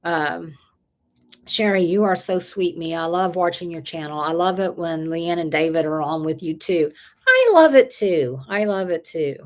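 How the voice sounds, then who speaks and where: A woman's voice: fairly low pitch, animated, moderate pace. A woman, chatting casually on a livestream and reading viewer comments aloud, rambling and laughing often. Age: 60s. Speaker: livestream host.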